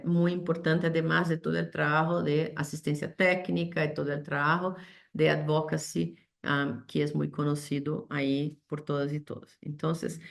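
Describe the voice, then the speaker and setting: Low gravelly woman, halting talk. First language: not Spanish. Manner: hesitant, many fillers and restarts, code-switches English terms. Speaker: panel speaker. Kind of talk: online panel presentation.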